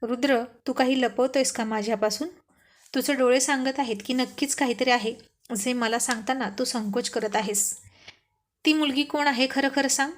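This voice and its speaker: A woman's voice: high-pitched, steady tone, normal speed, close to an everyday voice. Older sister, persistent and worried, read by a woman narrator, storybook. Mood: probing. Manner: questioning, insistent.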